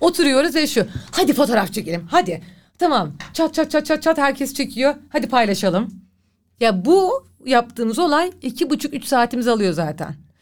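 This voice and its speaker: Over a silent background in a very clean recording, a woman speaks at a moderate pace in a high voice with very wide pitch swings. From Akşehir, Konya, central Turkey. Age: 40s. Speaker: actress and musician. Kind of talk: casual interview chat.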